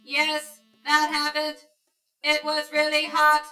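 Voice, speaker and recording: A woman's voice: sits high, monotone, slow, bright, forceful tone, reverberant, soft background music, heavily acted. A woman playing an emotionless female pleasure android in a sci-fi radio drama, with polite, stilted, formulaic seduction. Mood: flatly seductive. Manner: robotic, formulaic, stilted sultry delivery.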